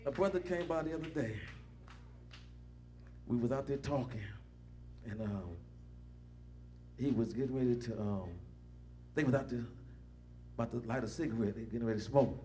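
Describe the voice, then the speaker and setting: A middle-aged man preaching a sermon as a bishop, in a Black church preaching cadence, moving between soft conversational asides and loud rising peaks. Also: mid-range voice, moderate pace, long pauses, a little hiss or hum.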